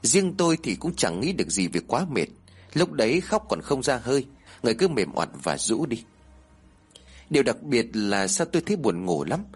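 Husky man telling a ghost story. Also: medium pitch, moderate pace. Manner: lively, voices the quoted characters. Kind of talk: first-person ghost story narration.

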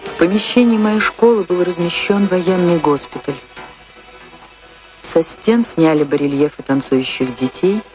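An actress playing a famous dancer who recalls her tragic life in a measured, impassioned and sorrowful radio monologue with dramatic pauses. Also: on the low side, music in the background, close to an everyday voice, poor audio. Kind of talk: dramatic first-person radio play monologue.

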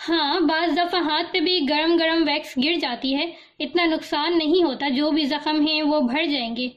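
A woman's voice: high-pitched, steady tone, dull audio, natural voice. A woman reading the part of a troubled young man who pleads anxiously for help in an audiobook. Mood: pleading. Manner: pleading, worried.

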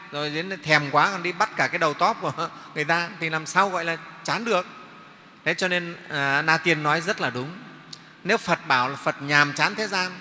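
A man's voice: on the high side, bright, forceful tone, a little hiss or hum. A man, a Buddhist monk, giving a dharma talk to a congregation. He explains with homely everyday examples and keeps checking in with his listeners. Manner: explains with homely examples and repeated "nghe không?" check-ins. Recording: long reverb of a hall.

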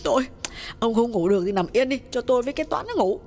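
A man voicing a sleepy, nagging middle-aged wife who scolds her husband in a quick, exasperated way. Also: very high-pitched, expressive, darkish tone, voice pushed up. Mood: scolding. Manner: scolding, chiding, rapid exasperated.

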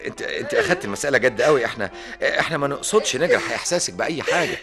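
A man's voice: mid-range voice, huge pitch swings, racing. An actor playing an earnest young adult son in a radio drama, coaxing and arguing with his mother, with an Egyptian accent. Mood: pleading. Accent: Egyptian Arabic. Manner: coaxing, argumentative.

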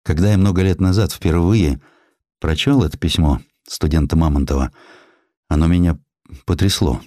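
A man's voice: low voice, moderate pace, warm tone, no room sound, clean studio sound. A man reading a literary historical story as a scripted, dramatic audiobook narration.

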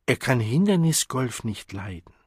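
A man voicing an anxious, gossipy young woman who speaks in a hushed, horrified way. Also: mid-range voice, sing-song, normal speed, breathy edge, no echo, clean studio sound, pitched above the performer's own voice.

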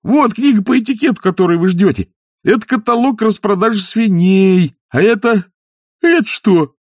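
A man's voice: high-pitched, normal speed, no echo, clean studio sound, pitched above the performer's own voice. A man voicing an eager, polite young village lad who talks in a breathless rush. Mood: excited. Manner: breathless, excited, overeager.

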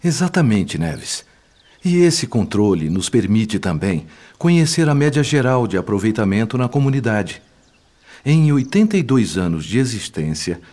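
A man's voice: mid-range voice, darkish tone. A male actor with a Brazilian accent playing a wise, compassionate spirit instructor in a radio drama, speaking in a didactic, formal, eloquent manner. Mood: grave, factual.

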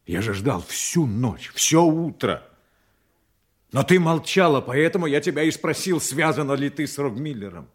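An actor playing a guarded secret agent, tender but bitter, with an intense, deliberate delivery in a Russian audio play. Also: male voice, a little high, lively intonation, husky. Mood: wounded, passionate. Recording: music under the voice.

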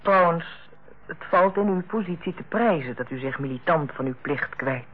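Composed hospital director, tinny radio sound. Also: female voice, low voice, animated, a little hiss or hum. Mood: diplomatic, firm. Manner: measured, diplomatic, formal. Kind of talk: Dutch radio play acting. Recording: tinny, narrow-band old radio recording.

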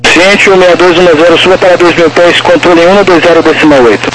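A man's voice: on the high side, fairly even intonation, brisk, over music. A man with a Brazilian accent giving formal air traffic instructions over crackly, military-sounding radio. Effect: crackly radio transmission. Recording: noisy crackly radio channel.

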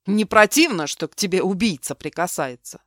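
A woman's voice: fairly low pitch, animated, normal speed, fairly bright tone, no echo, studio quality. A woman voicing a bitter, vengeful man just out of prison, harsh and mocking with a raised voice.

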